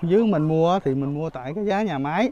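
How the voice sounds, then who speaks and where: Here a man talks at a fairly quick pace with ordinary pitch variation. The sound is dry with no echo, and there is light background noise. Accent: Mekong Delta. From Mekong Delta, An Giang; Vietnam. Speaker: charity vlogger; charity volunteer vlogger. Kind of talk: vlog narration. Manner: casual, halting with fillers. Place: street.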